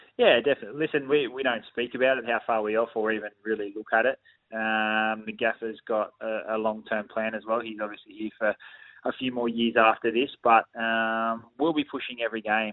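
Delivered at a fairly quick pace, the speech has an Australian accent and a monotone, flat intonation. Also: man, medium pitch for a man. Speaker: professional footballer. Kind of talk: radio interview. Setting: phone call. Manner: halting.

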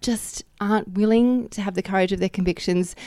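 With an Australian accent, a woman talks at a fairly quick pace in an enthusiastic tone, her pitch medium. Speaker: education journalist. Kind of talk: live panel discussion. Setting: stage with audience.

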